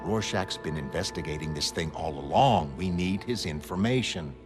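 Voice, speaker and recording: Earnest bookish ex-hero, middle-aged, urgent, music behind. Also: male voice, deep voice, expressive, normal speed.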